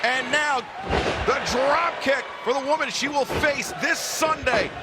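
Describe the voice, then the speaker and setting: A man doing play-by-play commentary on a live wrestling match, excited and often shouting his calls. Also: very high voice, measured pace. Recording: loud arena crowd behind. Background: roaring crowd and loud arena noise.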